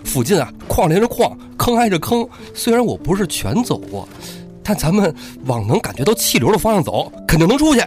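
A man performs a timid, people-pleasing miner for an audio drama. The voice sits fairly high and swings about in pitch, stammering and fawning as it repeats itself. Soft music plays behind it. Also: wildly swooping pitch, fairly quick. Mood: anxious, reassuring. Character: timid, eager-to-please male miner, apologetic and ingratiating. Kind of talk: Chinese audio drama acting. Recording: background music under the voice.

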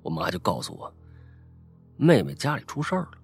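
Brief: husky ghost-story narrator, wildly swinging pitch, stammers for effect, faint music behind. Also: very animated, a little fast. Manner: dramatic, stammering repetitions.

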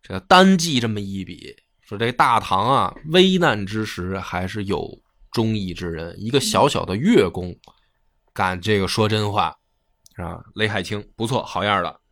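A man's voice: on the low side, lively intonation, moderate pace, a bit bright. A man telling history in a colloquial, slangy way. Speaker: history storyteller. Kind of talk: casual storytelling chat.

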